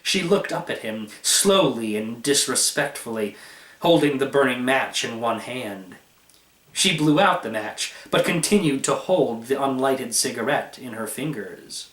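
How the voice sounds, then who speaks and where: A man reading a literary short story aloud as narrator, with measured, deliberate phrasing. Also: medium pitch, expressive, a bit bright. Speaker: story reader. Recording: roomy, echoey, distant microphone.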